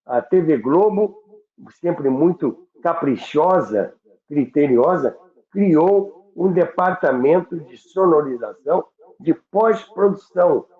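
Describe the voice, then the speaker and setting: With a fairly high-pitched voice, a Brazilian radio history commentator appearing as a guest explains broadcasting history off the cuff. He is didactic and halting, frequently repeating and rephrasing himself, and the audio sounds echoey and narrow, like a phone call.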